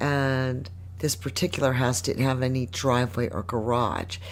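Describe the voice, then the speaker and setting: We hear a woman. Her speed is moderate. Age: 60s. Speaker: gardening podcast host. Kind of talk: casual monologue podcast. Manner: animated.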